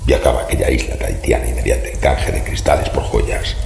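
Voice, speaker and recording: An actor playing a grim, haunted keeper of occult secrets in an audio horror serial, with a growling voice, Castilian Spanish accent and solemn, ominous delivery. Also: male voice, a bass voice, expressive, a little fast, a little mellow, heavily acted. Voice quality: very gravelly, growling. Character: grim haunted man who knows forbidden occult secrets. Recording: roomy reverb, faint noise.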